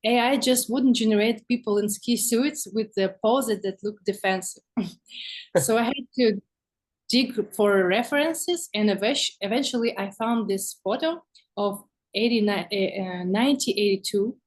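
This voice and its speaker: A woman's voice: medium pitch, a little slow. A woman who is not a native English speaker, chatting casually as an interview guest about her work as a visual artist, often searching for words.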